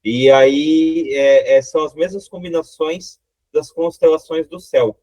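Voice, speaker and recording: A man's voice: a little high, steady tone, unhurried, dark tone, dry recording. Brazilian man hosting a casual interview. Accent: Brazilian Portuguese. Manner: rambling with restarts. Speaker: interview host.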